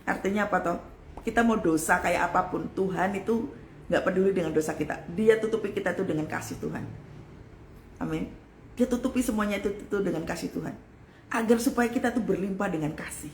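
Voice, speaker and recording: A woman's voice: on the low side, brisk. Earnest woman pastor preaching in echoey room. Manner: earnest and emphatic, swinging between loud exclamations and soft whispers; addresses listeners as "saudara". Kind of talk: live-streamed sermon. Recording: echoey room with faint ambient noise.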